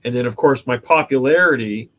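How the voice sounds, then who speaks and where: A man in his fifties, from Canada, hosts a podcast with loose, casual chat. He rambles through his stories and swears and jokes freely, his voice sitting at an ordinary mid pitch. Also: brisk, fairly bright tone. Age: 50s. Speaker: podcast host.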